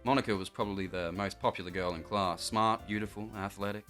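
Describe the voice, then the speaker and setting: A man's voice: lowish voice, steady tone, quick pace, a bit bright, soft background music. A young man hosting a casual playthrough who reads a visual novel aloud and drops joking asides between lines. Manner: laughing asides, mock-narration. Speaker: host and reader.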